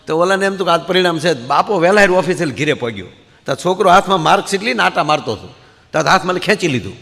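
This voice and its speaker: A man telling comic folk stories to a live audience, acting out his characters with quick voice shifts. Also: high voice, lively intonation, gravelly, a bit bright. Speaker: folk comedian storyteller. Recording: hall reverb.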